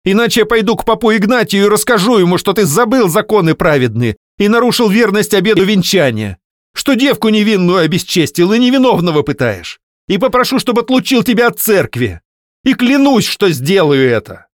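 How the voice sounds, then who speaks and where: A man's voice: high voice, very animated, brisk, no room sound, studio quality, voice pushed up. A man voicing an outraged village wife who shrilly accuses her husband. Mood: threatening. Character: older village wife Arina, kind but furious when wronged.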